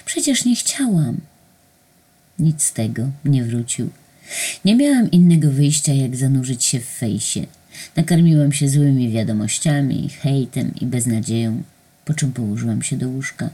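A woman reading her own story aloud with lively expression. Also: extremely low pitch, moderate pace, breathy edge.

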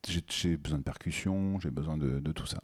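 A man's voice: extremely low pitch, fairly quick, breathy edge. A man, a guest DJ, chatting on the radio, groping for words with many restarts. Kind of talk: casual radio chat.

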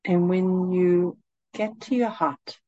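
Slow, calm woman guiding meditation. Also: lowish voice, dry recording, lo-fi sound. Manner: calm, soothing, gently instructing. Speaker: meditation guide, host. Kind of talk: guided meditation.

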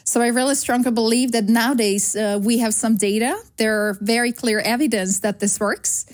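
Slovak accent woman, 30s, kinda high voice, earnest, lots of uhs. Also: fairly even intonation. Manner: earnest, measured, frequent "uh" fillers. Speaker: guest, sustainability consultancy founder. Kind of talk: interview answers.

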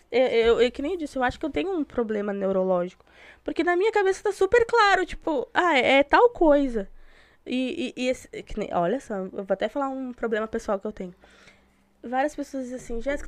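Woman with a Rio Grande do Sul accent, high, blunt and rambling, casual talk. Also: no echo. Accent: Rio Grande do Sul Portuguese. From Rio Grande do Sul, Brazil. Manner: blunt, rambling, repeats herself. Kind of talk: casual podcast chat.

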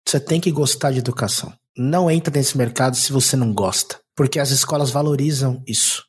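A man from Brazil, talking in a casual, animated, slangy way and acting out quoted dialogue. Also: medium pitch, brisk, breathy edge. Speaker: podcast co-host. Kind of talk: casual chat.

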